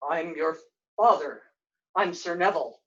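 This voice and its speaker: Puppet-show father figure, noble knight, gentle, measured, reassuring, played by a woman; dull live sound. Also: low voice, distant mic, voice pushed down.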